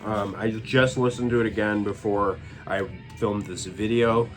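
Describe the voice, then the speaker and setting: A man casually reviewing albums from his collection, relaxed and rambling with plenty of fillers. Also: on the low side, unhurried, soft background music. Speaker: metal collection vlogger.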